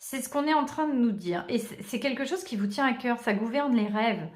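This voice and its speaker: A woman giving a casual tarot card reading to her viewers, chatty and hesitant, often pausing with "euh". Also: a little high, expressive. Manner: chatty, warm thanks, many hesitations and small laughs. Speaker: tarot reader. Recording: roomy echo.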